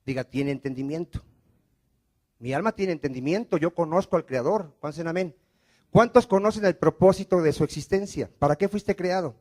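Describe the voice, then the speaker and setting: This pastor speaks with a Mexican Spanish accent in a fairly high, darkish voice, a little fast. His sermon leans on call-and-response, firing rhetorical questions at the congregation and having them repeat after him.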